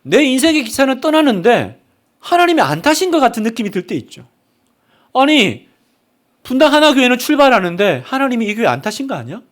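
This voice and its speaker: A man's voice: extremely high pitch, big pitch swings, a little fast. A middle-aged man preaching a Sunday sermon as a pastor, asking the congregation questions and acting out quoted dialogue. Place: church sanctuary.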